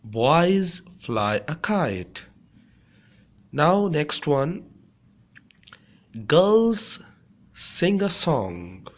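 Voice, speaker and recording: A man's voice: a little high, sing-song, extremely slow, pauses often. A man with a South Asian accent, a native Urdu speaker, teaches beginners phrase by phrase, repeating himself and often checking that listeners follow. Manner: repetitive, frequently checking understanding with "okay". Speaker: language teacher. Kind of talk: beginner language lesson, explaining phrase by phrase.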